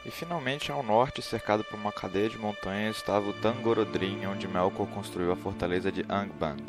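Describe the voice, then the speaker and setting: Deep-voiced man narrating casually. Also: moderate pace. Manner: casual, joking, slangy. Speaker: host. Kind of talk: humorous narrated explainer. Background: background music.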